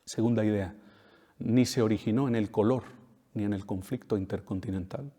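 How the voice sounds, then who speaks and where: A man lecturing with a low, mellow voice. He drives his points home by repeating phrases and tagging them with quick questions to the audience. The sound carries a long hall reverb. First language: Spanish. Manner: emphatic, repeats key phrases, tag questions. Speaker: speaker at a talk.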